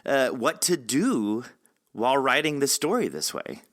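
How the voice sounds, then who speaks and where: A man hosting a casual interview, affirming effusively and haltingly searching for his words as he puts questions. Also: medium pitch, expressive, a bit bright. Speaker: podcast host, interviewer.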